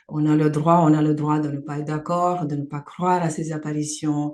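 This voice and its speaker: At a moderate pace, a woman with a slight non-native accent speaks in a very deep, low pitch with a dark, mellow tone. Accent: slight foreign accent in French. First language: Romanian (speaking French). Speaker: religious talk show host. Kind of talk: interview conversation. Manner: hesitant, many fillers.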